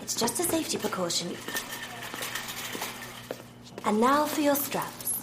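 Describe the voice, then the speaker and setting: A condescending clinic nurse played by an actress in an audio drama, fairly high in pitch. She swings through her phrases with sugary, patronizing sweetness, as if humoring a naughty child. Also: expressive, brisk, background noise, close to an everyday voice. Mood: falsely sweet. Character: condescending, bossy clinic nurse with sing-song false sweetness.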